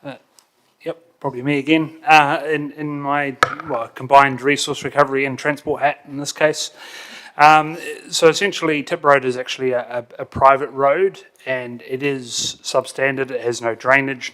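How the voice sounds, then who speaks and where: A man's voice: mid-range voice, a bit bright. A man with a New Zealand accent, a council officer, answering councillors' questions in a plain explanatory way with some fillers.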